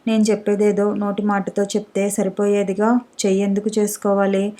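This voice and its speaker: A woman reading aloud as a quick-tempered young husband who pleads and blames himself, in a spoken storybook. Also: mid-range voice, completely flat delivery, mellow, natural voice. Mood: remorseful. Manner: pleading, self-reproaching.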